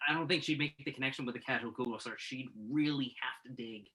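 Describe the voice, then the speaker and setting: A man's voice: mid-range voice, fast talker, bright, forceful tone, natural voice. A man playing an exasperated, principled young journalist in a staged play reading, protesting with wry sarcasm in natural dialogue. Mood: defensive.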